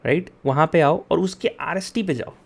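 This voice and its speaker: Slightly high and gravelly, this young male coding tutor speaks at a normal pace in a casual lesson. Blending Hindi with English, he peppers his talk with "yaar" and "theek hai?", speaks directly to his students, and tells them to take notes.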